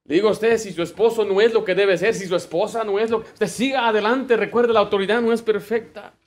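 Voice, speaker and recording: A man's voice: sits high, steady tone, quick pace. A man preaching a sermon as pastor, fervent and full of personal work stories. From United States.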